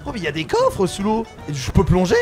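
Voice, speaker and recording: A man giving excited commentary on a video game he is playing, full of exclamations and shouted battle cries. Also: sits high, fast, soft background music. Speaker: gaming YouTuber. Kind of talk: excited let's-play commentary.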